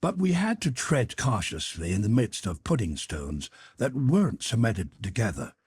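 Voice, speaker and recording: Husky male audiobook narrator with lively intonation. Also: fairly low pitch, dry recording. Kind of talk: scripted literary narration.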